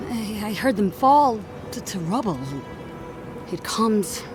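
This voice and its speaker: An actress playing a shaken, entranced woman in a video game, speaking haltingly and repeating words as if prophesying. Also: medium pitch, animated, music in the background. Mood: dazed dread. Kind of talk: video game character acting.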